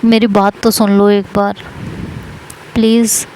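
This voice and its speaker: A woman's voice: mid-range voice, little pitch movement, slow pace, warm tone, a little hiss or hum, close to an everyday voice, low-quality recording. A woman voicing a young college woman who keeps begging for a favour in a storybook romance. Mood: pleading. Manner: begging, repeats please.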